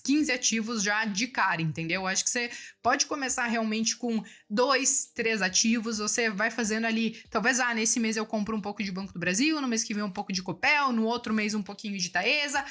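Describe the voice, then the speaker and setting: Woman in her 30s from Brazil, casual finance host, bright and fairly high voice, chatty and explanatory. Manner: chatty, with tag questions like "né" and "tá". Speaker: finance YouTuber answering viewer questions.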